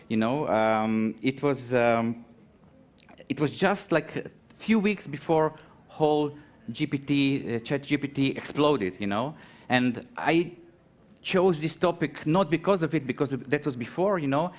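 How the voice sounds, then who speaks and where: A man from Croatia giving a conference talk, hesitant, with many ums and restarts. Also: medium pitch. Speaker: conference speaker. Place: conference hall.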